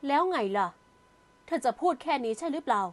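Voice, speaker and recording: A woman's voice: high-pitched, expressive, brisk. A woman voicing a harsh young man who speaks curtly and scolds in an audio novel. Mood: cold. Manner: curt, scolding.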